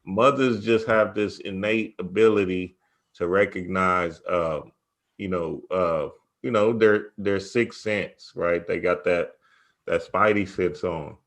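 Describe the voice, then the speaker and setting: A man in casual conversation, telling personal anecdotes in an informal, somewhat halting way. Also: low-pitched, steady tone. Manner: halting, informal, peppered with "you know". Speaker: host.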